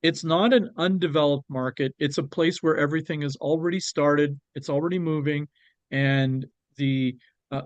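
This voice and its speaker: A man with a Canadian accent presenting on export markets, talking it through with a guest and pausing often on ums and restarts. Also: fairly high pitch, dry recording, dull audio. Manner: hesitant, with many ums and restarts.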